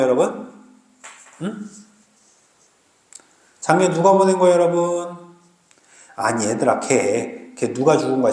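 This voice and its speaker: A man lecturing to a live class, lively and slangy, often stopping to ask whether students follow. His voice sits a bit high for a man. The classroom rings with a roomy echo. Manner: lively, keeps checking students understand. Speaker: Korean literature teacher.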